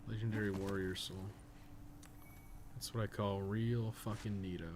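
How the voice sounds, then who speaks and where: Low-voiced man rambling over gameplay, noisy recording. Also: steady tone, normal speed. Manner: rambling, sweary, jokey asides. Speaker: video game streamer, podcast co-host. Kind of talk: casual live gameplay commentary, thinking aloud. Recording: clearly noisy background.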